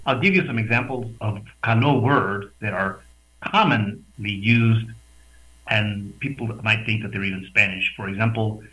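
A man from the West Texas border region, a radio guest speaking over a video call, explaining in a lively, thoughtful way with hesitant restarts. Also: lowish voice, moderate pace, low-quality recording. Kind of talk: conversational explanation.

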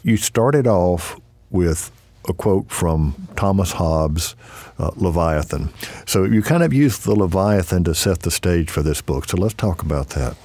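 A man hosting an interview, asking questions in a relaxed, conversational way. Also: deep voice, a little slow, no room sound. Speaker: interviewer, host.

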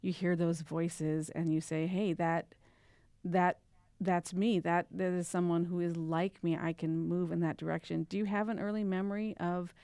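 Host read: woman, lowish smooth voice, dry studio sound, encouraging. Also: flat delivery, normal speed, mellow, no room sound. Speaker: radio host. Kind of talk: radio interview.

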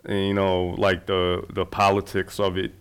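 Male filmmaker guest, somewhat low voice, easygoing rambling delivery. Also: monotone, moderate pace, clear, resonant tone. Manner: loose, rambling, fillers and restarts. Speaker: documentary filmmaker. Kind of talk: casual conversation.

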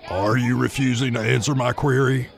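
A man's voice: medium pitch, fairly even intonation, normal speed, gravelly, crowd noise, close to an everyday voice. A man playing a young airport security officer in a comedy sketch, polite, hesitant and patient. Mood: patient, bemused.

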